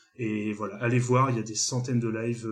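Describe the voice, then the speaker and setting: Through audible room echo and noticeable background noise, a man speaks at a medium pitch and a moderate pace with fairly even intonation. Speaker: music podcast host. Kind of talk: casual chat.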